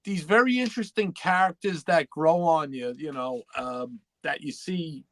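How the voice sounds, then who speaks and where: A man's voice: a little high, normal speed, no room sound. A man hosting a casual interview, rambling his way toward each question. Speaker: host, interviewer. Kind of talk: casual chat.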